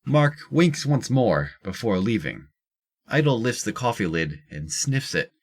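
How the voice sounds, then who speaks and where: A man's voice: mid-range voice, sing-song, unhurried, husky. A man reading scripted narration for an audio drama.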